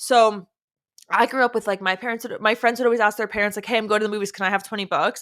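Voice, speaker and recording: In a New Jersey accent, a woman with a fairly high pitch and a bright, sharp tone is heard on a very clean recording against a silent background. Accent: New Jersey American. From New Jersey, US. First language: Aramaic. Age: 20s. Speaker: podcast host, guest. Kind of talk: casual interview chat.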